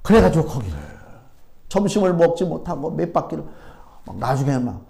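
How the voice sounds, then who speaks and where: A middle-aged male pastor giving a sermon, telling a story in a folksy, animated way and acting out his own thoughts. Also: on the high side, a little fast, vocal fry. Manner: folksy, animated storytelling with acted-out inner speech.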